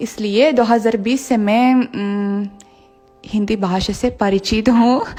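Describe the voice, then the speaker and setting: A woman in a Russian accent, fairly high-pitched with ordinary pitch variation, amid noticeable background noise. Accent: Russian accent in Hindi. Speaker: vlogger. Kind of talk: casual vlog talk. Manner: halting, many filler sounds.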